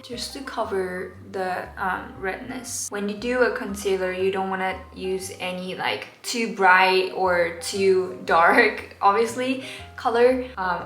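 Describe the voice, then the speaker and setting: A woman in her twenties from Japan, speaking English with a Japanese accent in a soft, relaxed way while talking through a makeup tutorial. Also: mid-range voice. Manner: soft-spoken, relaxed, many fillers. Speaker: makeup vlogger and dancer. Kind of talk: casual makeup tutorial talk. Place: home bathroom, indoors. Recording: roomy bathroom echo.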